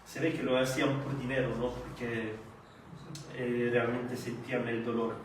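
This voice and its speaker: A man preaching a sermon, speaking slowly and haltingly with frequent hesitations and rhetorical questions. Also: medium pitch, little pitch movement, slight background noise. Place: church meeting hall. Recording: echoey hall recorded from far off.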